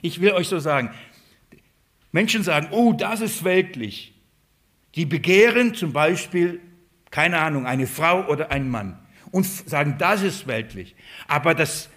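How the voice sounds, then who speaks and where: A man's voice: on the high side, lively intonation, normal speed, fairly bright tone. Man preaching, asking and answering questions. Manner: poses questions to the listeners and answers them himself. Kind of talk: Bible-study sermon.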